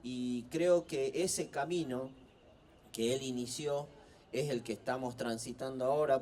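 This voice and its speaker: A middle-aged man talks at a book fair. He is earnest and unhurried, with plenty of fillers and restarts. His mid-pitched voice sounds distant, as if caught by a microphone well off in an outdoor plaza. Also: mellow, slight background noise. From Humahuaca, Jujuy, northwest Argentina. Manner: earnest, slow, halting with many fillers and restarts. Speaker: writer and guest speaker. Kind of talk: public talk at a book fair.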